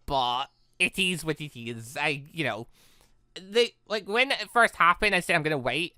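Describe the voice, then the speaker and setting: A man with a bright, clear voice hosts a casual let's play. His pitch swings widely as he rambles along excitably. The delivery is informal and conversational. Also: moderate pace, no room sound, clean studio sound. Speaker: gaming video host.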